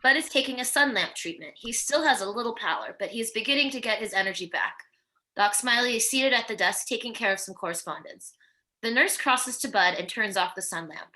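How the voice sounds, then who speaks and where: A woman's voice: fairly high pitch, lively intonation, brisk, pushed and bright, poor audio. A woman narrating the stage directions of a screenplay at a table read.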